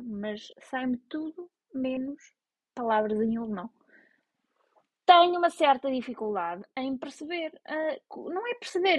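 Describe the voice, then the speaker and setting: Young woman, European Portuguese accent, slightly high voice, chatty and self-deprecating, dry close recording. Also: no room sound. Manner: chatty, self-mocking, animated. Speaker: vlogger. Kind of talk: casual chat to camera.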